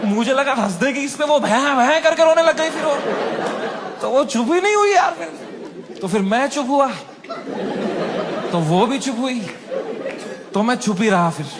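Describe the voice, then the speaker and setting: High-voiced stand-up comedian. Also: male voice, moderate pace, pauses often, a crowd in the background, noisy background. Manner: animated, mocking, swings between hushed and shouted asides.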